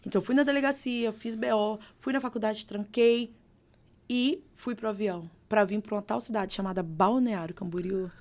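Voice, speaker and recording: A woman pastor with a Brazilian accent, telling her testimony in a podcast interview with expressive, dramatic storytelling. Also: medium pitch. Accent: Brazilian Portuguese. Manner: expressive, dramatic storytelling with vivid reenacted dialogue. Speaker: pastor, guest.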